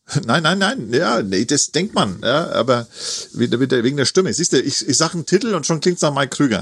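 A man's fairly high voice, fairly quick in pace, with very wide pitch swings. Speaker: podcast co-host. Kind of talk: casual chat.

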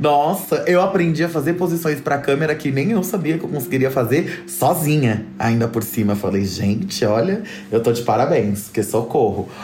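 Loudness stays very even while a man's pitch swings very widely. Audible room echo and noticeable background noise are present. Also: fairly high pitch for a man, moderate pace, hardly any pauses. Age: 20s. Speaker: content creator. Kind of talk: casual chat.

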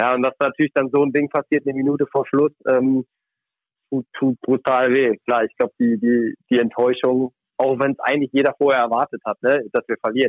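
A man speaks fairly quickly at medium pitch. His intonation is fairly even and his loudness very even. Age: 30s. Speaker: former professional footballer. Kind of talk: casual interview. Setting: phone call. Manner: halting.

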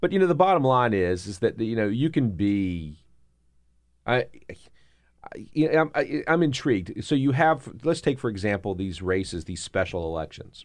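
Speaking with a Southern US accent at a moderate pace, a man makes very wide pitch swings. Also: medium pitch for a man, quiet background. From US South, South Carolina. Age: 50s. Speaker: fill-in radio host. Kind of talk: casual talk radio chat. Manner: animated.

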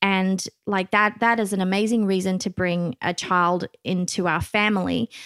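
In a very clean recording with a silent background and a dry, close sound with no echo, a woman with an Australian accent speaks at a moderate pace and medium pitch, her loudness very even and her intonation fairly even. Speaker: true crime podcaster. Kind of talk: casual interview chat.

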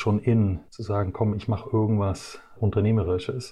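This man talks at a fairly slow pace in a somewhat breathy, dark, mellow voice of medium pitch, with monotone, flat intonation. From Belgium, Brussels. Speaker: education company executive. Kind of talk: interview. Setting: remote call. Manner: halting, many fillers and repetitions.

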